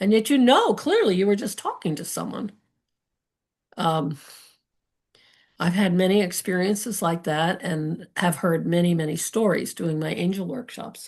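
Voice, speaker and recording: Over a quiet background, a woman speaks in a somewhat breathy voice with ordinary pitch variation. She leaves long, frequent pauses. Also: medium pitch for a woman, moderate pace. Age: 70s. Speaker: spiritual medium and workshop speaker. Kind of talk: talk to an audience.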